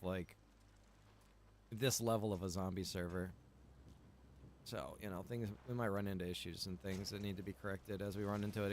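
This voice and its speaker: A laid-back man chatting to viewers in rambling, slangy game livestream commentary. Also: fairly low pitch. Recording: clearly noisy, background ambience.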